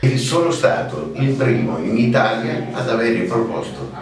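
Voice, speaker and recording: Over light background noise and audible room echo, a man talks very slowly with lively intonation. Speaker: theatre director. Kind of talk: interview answer.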